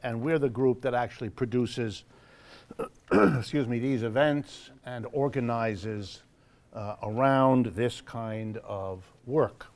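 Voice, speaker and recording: A man hosting a live event in a church hall, making announcements to the audience in a measured, wry way with frequent pauses and fillers. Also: medium pitch, darkish tone. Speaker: host of a monthly lecture event.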